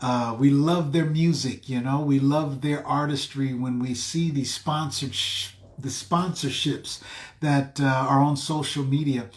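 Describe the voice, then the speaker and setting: Effusive male host in an echoey room. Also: medium pitch. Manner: effusive, calls guest "brother" and "man". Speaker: show host. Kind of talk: live video call interview.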